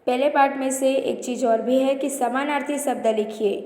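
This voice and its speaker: A woman's voice: sits high, steady tone, moderate pace, darkish tone. Woman teacher in an echoey room. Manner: explains step by step, lists word pairs. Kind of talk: revision lesson.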